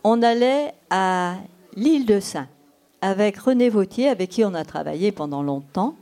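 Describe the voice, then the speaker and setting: A woman's voice: mid-range voice, expressive, moderate pace, warm tone. A woman in her eighties from Brittany, whose first language is Breton, answering interview questions as a documentary filmmaker and telling her stories unhurriedly while she thinks aloud. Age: 80s.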